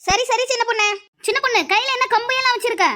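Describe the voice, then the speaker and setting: A woman's voice: extremely high pitch, fast, bright, forceful tone. A woman voicing a cautious, scolding village woman in a cartoon dub. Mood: scolding, wary. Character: wary, scolding village woman Shanthi, elder sister type.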